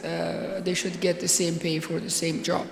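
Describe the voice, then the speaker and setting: Amid noticeable background noise, a woman is heard with audible room echo. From Afghanistan. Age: 60s. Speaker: political leader and activist. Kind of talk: onstage interview. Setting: stage with audience at conference. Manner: hesitant, many fillers.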